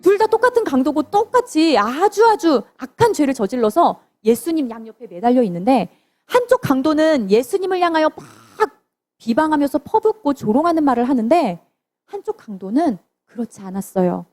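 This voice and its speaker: A woman's voice: high-pitched, big pitch swings, brisk, darkish tone. A woman preaching to children in church, telling the story and asking them questions. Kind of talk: children's sermon.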